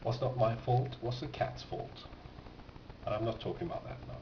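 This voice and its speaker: In an unscripted show-and-tell, a record collector walks through what he's found, his pitch medium and his pace moderate. His talk is casual, halting and meandering, as if thinking out loud. The sound is a muffled, noisy home recording with a roomy, faraway quality.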